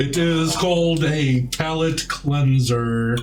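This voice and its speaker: Clear music plays in the background as a put-on character voice speaks at a very slow pace in a low-to-middle pitch. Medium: actual play.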